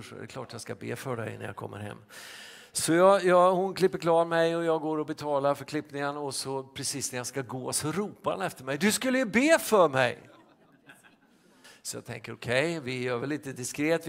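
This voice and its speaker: Male pastor, mid-pitched, gravelly, halting storyteller. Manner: halting, many restarts and fillers. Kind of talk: sermon anecdote.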